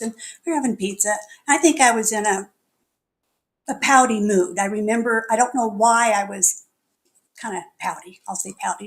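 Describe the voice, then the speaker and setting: A middle-aged woman minister delivering a sermon, telling a personal story in a chatty, candid way and laughing at herself. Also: mid-range voice. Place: spiritual center meeting hall.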